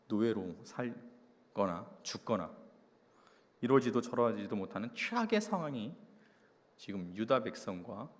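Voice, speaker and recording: A pastor in his thirties preaching a sermon at a young adults' service, telling an army story and often asking the congregation questions. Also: mid-range voice. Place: church hall. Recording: long church-hall reverb.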